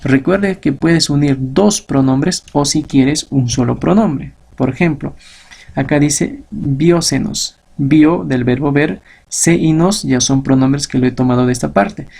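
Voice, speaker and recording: Man, teacher, recorded lesson, raspy, gravelly, poses and answers his own questions. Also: on the high side, measured pace, darkish tone.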